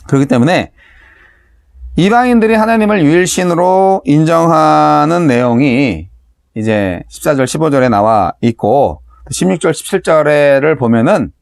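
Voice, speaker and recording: Lively-voiced Korean pastor teaching scripture. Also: male voice, fairly high pitch, vocal fry, no echo, studio quality. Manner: conversational preaching with rhetorical questions. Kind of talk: daily Bible teaching.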